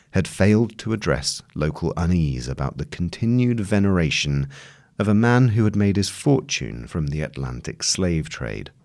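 Male narrator for audio long read: low-pitched, measured, articulate, dry close sound. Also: darkish tone, no echo. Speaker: narrator reading a long-form news article.

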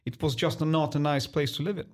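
Reflective Polish-born man with halting speech. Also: a little high. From Poland. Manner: thoughtful, halting, with frequent restarts and fillers. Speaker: guest, designer. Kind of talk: conversational interview answers.

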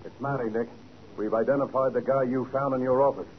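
A man's voice: mid-range voice, fairly even intonation, fairly quick, lightly acted. Man playing slangy radio homicide sergeant, lo-fi. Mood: matter-of-fact. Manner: blunt, slangy tough-cop talk. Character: plain-talking, slangy male homicide police sergeant. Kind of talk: 1940s radio acting. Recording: dull, noisy 1940s radio recording.

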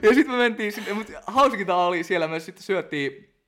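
A young man chatting casually as a guest, telling animated stories full of laughter and fillers. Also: high-pitched. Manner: animated storyteller, laughs often, many fillers. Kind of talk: casual chat.

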